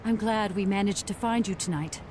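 A resolute grown heroine, voiced by a man, earnest and grave as she speaks. The voice sits fairly high. Clear street noise runs underneath in this motion comic. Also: normal speed, a little mellow, close to an everyday voice.

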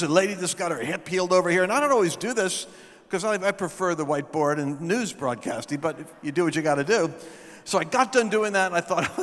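A middle-aged man preaches on a large stage, telling stories into a handheld mic. His voice sits high for a man. Now and then he rises into shouted proclamations, and a long reverb trails every word through the hall. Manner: storytelling, building to shouted proclamations. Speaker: guest speaker.

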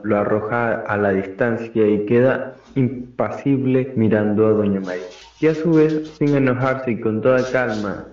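A man's voice: fairly low pitch, a little mellow. Narrator: young Argentine man, scripted reading, echoey room, muffled lo-fi sound. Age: teens or young adult. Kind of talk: scripted stage-direction reading. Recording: echoey, distant, dull sound.

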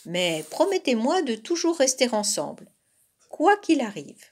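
Lady doing a soft gentle old mama bear from a fairy tale, lively voice. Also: on the high side, measured pace, pitched above the performer's own voice. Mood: tender. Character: tender old mother bear.

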